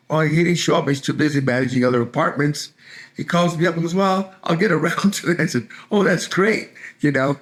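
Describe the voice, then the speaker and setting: Easygoing older man, chatty and laughing. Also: fairly high pitch. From California. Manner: easygoing, chatty, laughs while telling stories. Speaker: interviewee, retiree in Mexico. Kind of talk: casual interview chat.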